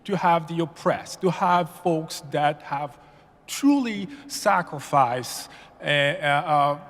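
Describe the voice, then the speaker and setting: A man from Haiti giving public comment at a meeting, halting and full of fillers and restarts. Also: fairly high pitch, fairly bright tone. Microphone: podium mic. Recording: long reverb of a meeting hall.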